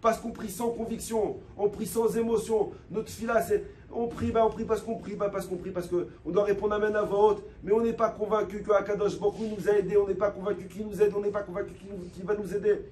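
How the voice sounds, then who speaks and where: Male rabbi preaching with fervor and repetition; high voice in a reverberant hall. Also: little pitch movement, brisk, few pauses, distant mic, a little hiss or hum. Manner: impassioned, swings from low and quiet to loud and high; addresses the listeners directly, repeats phrases for emphasis. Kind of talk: sermon. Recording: echoey room with faint background ambience.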